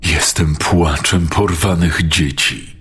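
A man voicing a little girl possessed by a vengeful dead priest's spirit, with a rough, gravelly, menacing half-whisper. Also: sits low, takes it slowly, fairly bright tone, faint music behind, full character voice. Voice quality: gravelly, rough demonic growl.

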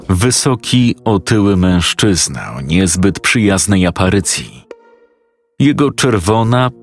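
A man narrating a scripted story in a steady, matter-of-fact way. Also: deep voice.

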